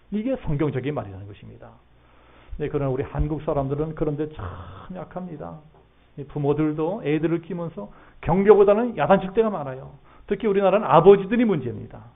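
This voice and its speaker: A man's voice: a little high, vocal fry. A middle-aged man preaching a sermon as a pastor in a church, talking in a conversational way and putting questions to the congregation. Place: church sanctuary. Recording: phone-like narrow band.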